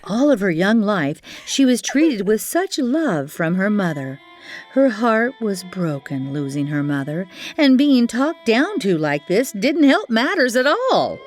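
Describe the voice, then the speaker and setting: A woman's voice: mid-range voice, very animated, unhurried. A woman storyteller narrating a children's fairytale expressively, with chatty asides to young listeners. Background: music.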